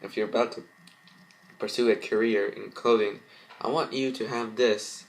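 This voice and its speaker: Man voicing a gentle motherly woman designer. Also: lowish voice, steady tone, normal speed, vocal fry, low-quality recording. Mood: solemn. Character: gentle, motherly female fashion designer, store owner.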